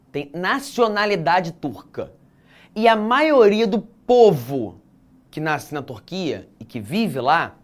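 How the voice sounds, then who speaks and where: A man with a Brazilian accent teaching an exam-prep geography lecture, stressing key words and speaking straight to his students. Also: high-pitched.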